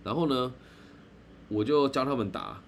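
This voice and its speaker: Animated Taiwanese man telling a story. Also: mid-range voice, vocal fry, slight background noise. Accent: Taiwanese Mandarin. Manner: chatty, drawn-out phrases with frequent sentence-final particles. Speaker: podcast host. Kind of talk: live-streamed personal storytelling.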